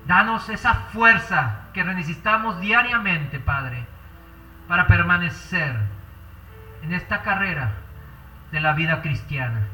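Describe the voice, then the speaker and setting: A man preaching a sermon and leading a prayer, fervent, drawing out key words slowly. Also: sits high, pushed and bright. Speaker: pastor. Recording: roomy echo, far from the mic.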